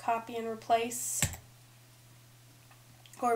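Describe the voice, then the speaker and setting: This woman's voice sits fairly high. Her intonation stays flat and monotone. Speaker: animation software tutorial maker. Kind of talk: software tutorial screencast.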